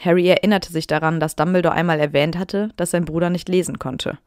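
A podcast co-host reads fan fiction aloud in a lowish voice, now and then breaking into playful, giggly asides. The sound is close and dry, with no room around it. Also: female voice, fairly even intonation, fast talker, a little mellow, smooth, no echo. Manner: giggly, playful asides between read passages.

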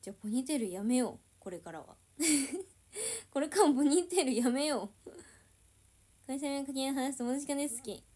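A woman's voice: high voice, animated, normal speed, pauses often, warm tone. A young woman idol chatting casually on a livestream, reading and answering viewer comments.

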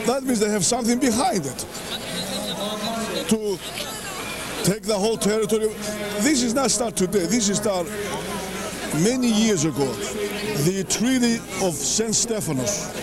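An older Greek-American man at an outdoor street rally, speaking with passion into a handheld mic in halting phrasing. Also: sits high. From Greek-American, parents from Pontus. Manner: impassioned, halting non-native phrasing. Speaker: interviewee at a rally. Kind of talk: street interview. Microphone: handheld mic held close. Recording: outdoor rally with crowd noise behind.

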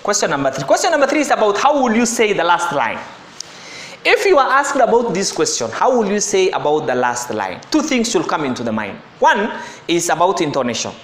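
A man's voice: high-pitched, very animated, a little fast, a bit bright. A man teaching an exam-prep lesson, explaining step by step and often repeating and correcting himself. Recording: echoey room.

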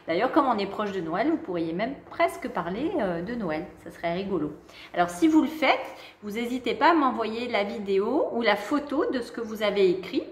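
A woman's voice: mid-range voice, echoey room. A woman teaching a music theory lesson to young children, explaining patiently, counting beats and singing note names. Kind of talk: online music lesson for kids.

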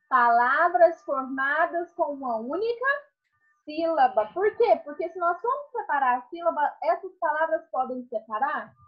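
A primary school teacher reviewing a lesson for her pupils in an online class, slowly asking questions and then answering them herself. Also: high voice, lo-fi sound.

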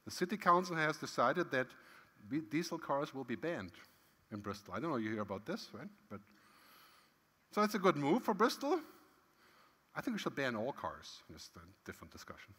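A man's voice: on the high side, very animated, a little fast, pushed and bright, breathy edge. A middle-aged man giving a conference keynote on a large stage, talking in a conversational way with frequent "right?" tags and emphatic swings. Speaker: keynote speaker. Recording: long hall reverb.

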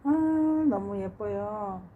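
Slow, fond woman touring her balcony garden. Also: medium pitch, monotone, warm tone, dull audio, a little hiss or hum. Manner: slow, fond, repeats flower names and sighs of delight. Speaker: home gardener showing her geraniums. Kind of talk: casual garden tour narration. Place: home balcony with plants.

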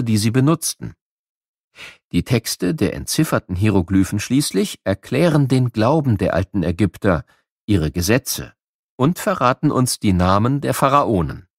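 A man narrating a scripted educational audio programme for children in a measured, explanatory way. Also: on the low side, dry recording, studio quality.

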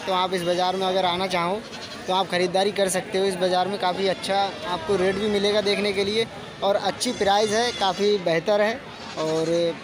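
A man, vlogging at an outdoor livestock market and quizzing sellers on their prices in a brisk, chatty way. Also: sits high, noisy background. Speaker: vlogger interviewing goat sellers. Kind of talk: casual on-the-spot questioning and commentary. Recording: loud market crowd behind.

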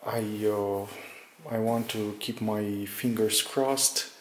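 A man with a slightly low voice talks through a casual, unscripted vlog. His delivery is very slow and halting, and he often searches for the next word as he narrates from behind the camera. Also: fairly even intonation, slight background noise, rough recording. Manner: hesitant, halting, searching for words. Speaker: vlogger showing an apartment renovation. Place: indoors in an empty apartment under renovation.

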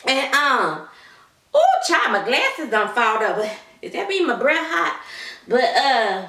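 Woman doing a sassy auntie babysitter, rambly gossip, bright punchy voice, echoey room. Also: high-pitched, big pitch swings, takes it slowly, exaggerated voice. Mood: gossipy. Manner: chatty, rambling, calls everyone child and honey. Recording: roomy room, mic at a distance.

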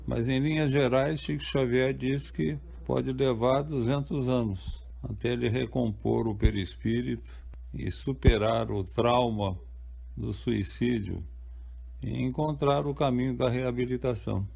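An older man with a Brazilian Portuguese accent, an author answering interview questions calmly and explaining at a measured pace. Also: medium pitch, vocal fry, breathy edge.

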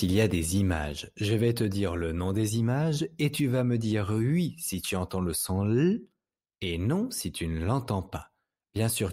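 A man with a French accent teaching young children to read, saying each sound slowly and patiently. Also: on the low side, darkish tone. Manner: patient, speaks words slowly and distinctly. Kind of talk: slow, clear reading lesson for young children.

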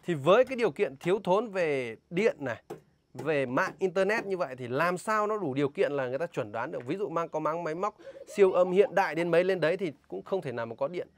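A man's voice: on the high side, lively intonation, quick pace, a little hiss or hum. A man with a northern Vietnamese accent vlogging outdoors, talking emphatically and indignantly as he warns about a scam and questions a local. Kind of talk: casual outdoor vlog talk, interviewing a local.

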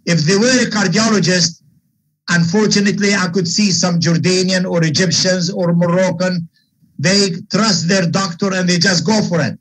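Older male surgeon-lecturer, Arab American accent. High, husky voice, emphatic and opinionated in Q&A. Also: steady tone, normal speed, a bit bright, low-quality recording. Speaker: guest lecturer, vascular surgeon. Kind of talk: webinar question and answer.

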